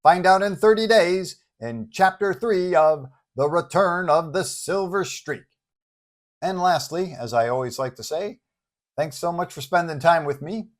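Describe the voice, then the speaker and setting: A man's voice: a little high, measured pace. A man narrating a scripted superhero adventure story as its host.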